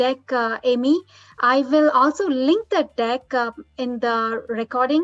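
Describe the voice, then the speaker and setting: A woman's high-pitched voice, dry and close with no echo, over a quiet background. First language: not English. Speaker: meetup group organizer. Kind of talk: webinar moderation. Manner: halting.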